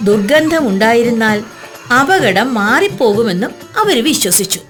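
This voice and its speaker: A woman's voice: fairly high pitch, very animated, moderate pace, music in the background. A woman storyteller giving scripted narration of a story for young children.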